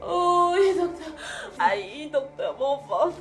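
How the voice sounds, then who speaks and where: A woman playing a distressed patient in a TV drama, crying out in pain with drawn-out, pleading moans. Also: high-pitched, big pitch swings, soft background music, exaggerated voice. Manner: wailing, drawn-out moans and repeated pleas. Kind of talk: TV drama acting.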